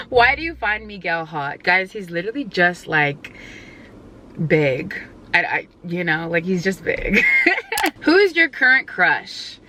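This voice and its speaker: Bright, playful young woman vlogger. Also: fairly low pitch, huge pitch swings, slow pace, slight background noise. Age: 20s. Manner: playful, laughs often, jokey and oversharing; bursts into loud exclamations. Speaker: vlogger answering viewer questions. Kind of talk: casual Q&A chat to camera.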